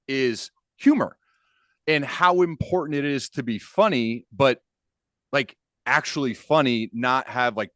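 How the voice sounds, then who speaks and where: A man's voice: medium pitch, fairly bright tone, dry recording. Man hosting a conversational podcast, dry close sound. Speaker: podcast host. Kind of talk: conversational interview.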